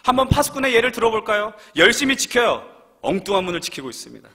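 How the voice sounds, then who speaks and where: A man's voice: high voice, big pitch swings, fast, pushed and bright, slightly rough. A young man preaching a sermon in a church, speaking to the congregation with many rhetorical questions. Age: young adult. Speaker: pastor. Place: church sanctuary.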